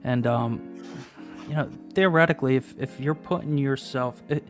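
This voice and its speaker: A man's voice: medium pitch, moderate pace, soft background music. Rambling man in his late thirties. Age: 30s. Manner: rambling, restarts and repeats words. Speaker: host. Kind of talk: casual chat over drinks.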